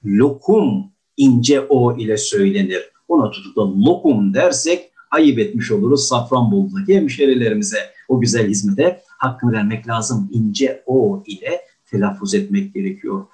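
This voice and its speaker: A man's voice: lowish voice, animated, moderate pace, a little mellow. Older guy teaching pronunciation, polite old-school talk, hams up the example words. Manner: courtly, often says "efendim", acts out example words in exaggerated tones. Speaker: diction teacher. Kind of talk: lecture on pronunciation.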